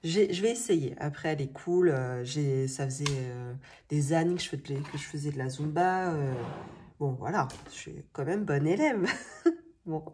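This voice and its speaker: Low-pitched Frenchwoman, slightly rough morning voice. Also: normal speed, a little mellow. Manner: colloquial, thinking aloud. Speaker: budgeting video host. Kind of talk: casual chatty vlog narration. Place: indoors at a table. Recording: noisy home recording with clicks.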